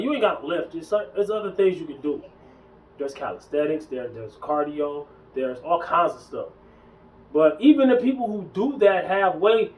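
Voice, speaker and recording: In a casual ranting monologue, a fitness vlogger in his early forties speaks in a fairly high voice, preachy and slangy, circling back again and again to the same point with emphasis. He sounds set back from the mic, so the recording comes across a little distant.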